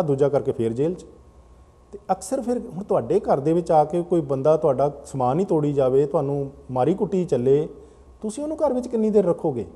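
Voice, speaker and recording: Mellow-voiced male call-in host. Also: fairly high pitch. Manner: patient, explains at length to callers. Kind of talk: call-in talk show hosting. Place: TV studio.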